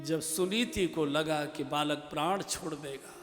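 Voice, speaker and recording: A man's voice: fairly high pitch, a little slow. A man telling a devotional story in a sermon, with emotional, dramatic delivery. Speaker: preacher. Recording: echoey hall with music behind.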